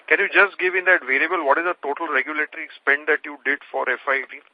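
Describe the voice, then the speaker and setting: A man's voice: on the high side, fairly even intonation, quick pace, no room sound. A man with an Indian accent, an analyst calling in to clarify figures on an earnings call. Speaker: caller, financial analyst. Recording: dull conference call line, dry.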